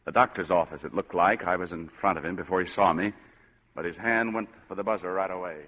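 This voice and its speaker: An actor playing and narrating a battered, sardonic private eye in a 1940s radio detective drama. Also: male voice, low-pitched, steady tone, quick pace, husky. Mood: grim narration. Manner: hard-boiled, sardonic wisecracks. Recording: muffled old radio broadcast.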